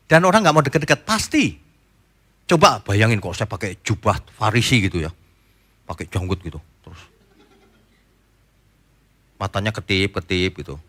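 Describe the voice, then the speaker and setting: Lively, animated male preacher. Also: medium pitch. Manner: animated, joking preacher who acts out quoted people. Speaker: pastor. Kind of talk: sermon.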